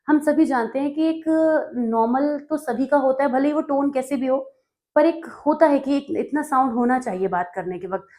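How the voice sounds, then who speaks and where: A woman's voice: on the high side, a little mellow. A woman from North India, working as a tutor, explains study notes in a conversational way and often checks in with her listeners.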